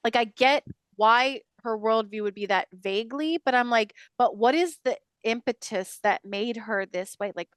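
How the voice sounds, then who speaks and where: A woman's voice: a little high, moderate pace, hardly any pauses, a bit bright, clear, resonant tone, dry recording, studio quality. A woman co-hosting a podcast in casual chat, with a blunt, emphatic way of talking. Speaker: podcast co-host.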